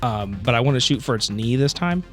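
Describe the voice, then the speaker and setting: A man with a medium-pitched voice plays a tabletop game, talking through his choices in a casual, halting way. Faint music plays under his speech. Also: expressive, a bit bright. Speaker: player in a tabletop role-playing game.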